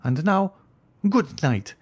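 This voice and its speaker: Man voicing an imperious, high-pitched anxious countess. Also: animated, slow. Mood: anxious, pleading. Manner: dramatic, emphatic, formal old-fashioned phrasing. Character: frightened, imperious Italian countess, coaxing and superstitious. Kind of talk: audiobook character acting.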